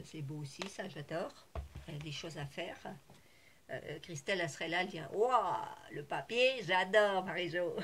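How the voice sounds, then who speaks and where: A woman's voice: mid-range voice, a little hiss or hum. A woman chatting casually to camera about her craft haul, hesitant with many fillers, gushing and repeating herself. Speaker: crafting vlogger showing a haul.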